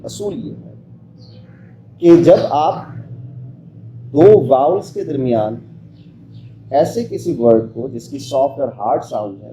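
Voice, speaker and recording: A man teaching pronunciation in an interactive lesson, emphatically sounding out letters and quizzing his listener with short questions. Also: medium pitch. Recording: echoey room with steady background noise.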